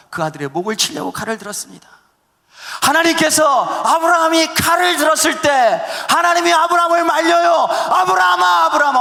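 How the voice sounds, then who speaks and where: Fervent high-voiced Korean pastor preaching. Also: male voice, vocal fry, long reverb tail. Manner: fervent preaching with sudden shouted peaks and hushed drops; leads congregation in call-and-response. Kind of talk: sermon. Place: church sanctuary.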